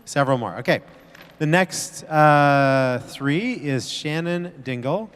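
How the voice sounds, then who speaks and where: A man chairing a public meeting, calling up speakers in a brisk, procedural way. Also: fairly high pitch, lively intonation, fairly bright tone, smooth. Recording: long reverb of a meeting hall.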